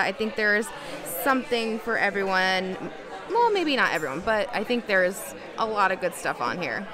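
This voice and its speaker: A young woman talks into a phone camera held at arm's length, giving a chatty, frank food review with plenty of fillers. She sits in a busy indoor lounge, and loud crowd chatter fills the room behind her. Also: mid-range voice. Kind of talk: casual food review vlog. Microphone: handheld phone camera at arm's length. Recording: phone video in a noisy bar.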